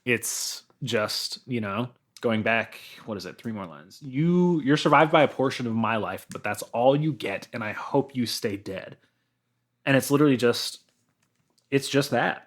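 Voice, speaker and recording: A man's voice: medium pitch, a little slow. A man with a mid-range voice talks as a guest on a podcast. He speaks casually, in the loose conversational way of someone discussing music with friends.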